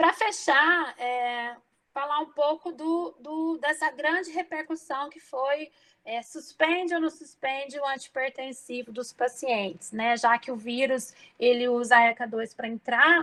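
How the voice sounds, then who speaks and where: A woman with a high pitch speaks at a fairly slow pace in a raised, projected voice, her loudness swinging widely. Her tone is bright and sharp, with ordinary pitch variation. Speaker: doctor giving a lecture. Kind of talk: lecture. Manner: halting, many fillers.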